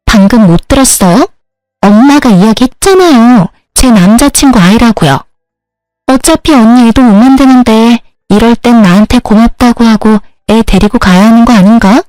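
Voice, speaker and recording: A woman's voice: moderate pace, a little mellow, no room sound, soft background music, lightly acted, low-quality recording. A woman doing a brazen, entitled young sister-in-law. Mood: mocking. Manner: shrill and mocking.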